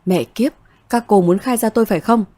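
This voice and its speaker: A woman's voice: mid-range voice, fairly quick, dark tone, natural voice. A woman voicing a scheming, ruthless young woman who speaks in curt commands, in a read-aloud story.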